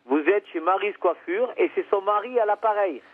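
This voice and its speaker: A man with a head cold speaks on a tinny phone line. His voice is fairly high for a man, and he sounds patient but strained as he repeats himself. The line sounds thin and narrow. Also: normal speed. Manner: patient at first, increasingly exasperated. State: has a cold. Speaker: hair salon owner's husband. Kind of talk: phone conversation.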